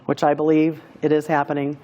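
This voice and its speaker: Woman guest on a talk show, hesitant, kinda halting, unsure of her words. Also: deep voice, monotone, mellow, muffled recording. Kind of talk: emotional personal testimony.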